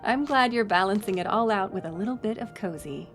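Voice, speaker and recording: A woman's voice: medium pitch, brisk, a bit bright, lightly acted. Woman acting as a friendly young lady tour guide, chatty n upbeat, casual roleplay talk, music behind her. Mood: curious, enthused. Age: young adult. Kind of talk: audio roleplay, one-sided conversation with listener.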